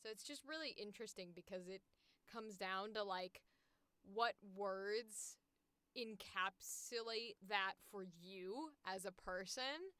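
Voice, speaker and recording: A woman hosting a casual livestream as a voice actor, effusive and quick to agree with her guest. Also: mid-range voice, sharp tone, clear, resonant tone, no echo.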